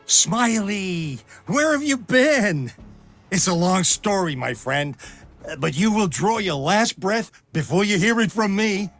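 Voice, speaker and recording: A man's voice: high voice, animated, slow, fairly bright tone, faint music behind, heavily acted. A man acting a panicky, talkative, cowardly mercenary in a video game, frantic and wary. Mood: wary, rambling.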